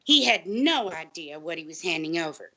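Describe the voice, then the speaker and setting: A woman's voice: deep voice, big pitch swings, normal speed, pushed and bright, full character voice. A woman playing a conspiratorial whistleblowing librarian, urgent and portentous, in a scripted audio drama. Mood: suspenseful.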